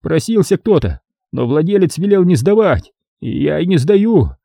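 Guy doing a shrill panicky caretaker, whiny and squeaky, husky edge, dead dry recording. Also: very animated, moderate pace, dark tone, no echo, heavily acted. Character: cowardly greasy male building caretaker, squealing. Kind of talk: audiobook character voice.

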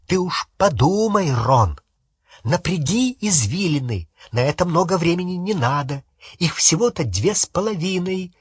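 A man's voice: on the high side, expressive, unhurried, husky, no echo, clean studio sound, voice pushed up. A man reading an audiobook, voicing a furious teenage girl witch who screams and mocks sarcastically. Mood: bitter sarcastic.

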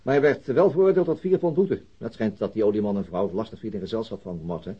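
A man's voice: fairly low pitch, quick pace, dark tone, breathy edge, highs cut off. A man playing a sober, middle-aged police detective in a naturalistic radio drama, matter-of-fact and guarded. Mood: dry, narrating.

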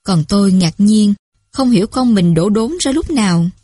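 Husky-voiced woman reading a story. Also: medium pitch, lively intonation, normal speed, warm tone, no echo, studio quality. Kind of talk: scripted story narration.

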